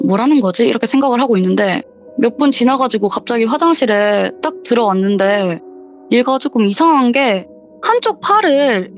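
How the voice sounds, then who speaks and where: Over a voice call, a viewer in her twenties shares a true scary story, chatting casually and performing the quoted dialogue. Her voice sits on the high side, and the audio is dull.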